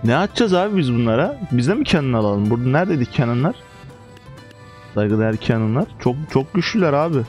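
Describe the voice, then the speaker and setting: A young man giving casual, excitable gameplay commentary, chanting quick commands at his units and joking about how the battle goes. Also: mid-range voice, soft background music. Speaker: gaming YouTuber.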